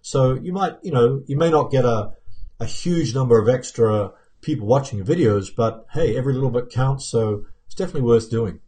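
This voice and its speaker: The host, a man in his fifties, has a mellow, medium-pitched voice and talks a little fast, his New Zealand accent muted by years in America. He runs a casual live-stream Q&A, fielding viewer comments with frequent fillers and restarts. A webcam frames him at his desk in a home office with plants and pictures.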